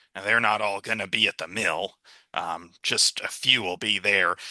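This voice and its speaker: A man performs a raspy, put-on character voice. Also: quiet background. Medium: actual play. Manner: hesitant, stammering.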